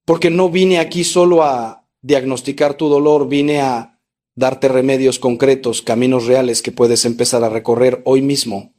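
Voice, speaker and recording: A man, a Catholic priest, preaching a sermon emphatically with rhetorical repetition. He speaks straight to the listener, swinging between raised, intense lines and low, slowed ones. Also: steady tone, darkish tone. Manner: addresses the listener directly.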